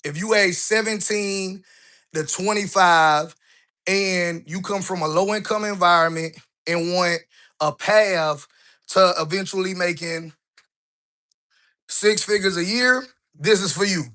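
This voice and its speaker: A man's voice: sits high, unhurried, long pauses. A man in his thirties talking casually while walking through his office building, asking "right?" a lot, a bit out of breath. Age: 30s. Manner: conversational, asks rhetorical "right?" often; colloquial, relaxed grammar. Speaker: business vlogger.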